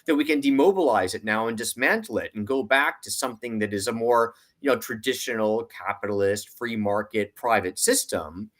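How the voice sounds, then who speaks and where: A man's voice: lowish voice, moderate pace, few pauses, fairly bright tone. A man speaking off the cuff as an interview guest, giving emphatic economic commentary with rhetorical questions and repeated points.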